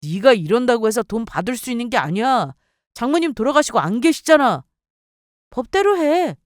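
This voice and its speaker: A woman's voice: a little high, very animated, moderate pace, no echo, studio quality. A woman voicing a petty, defensive young husband who talks in a sneering, dismissive way.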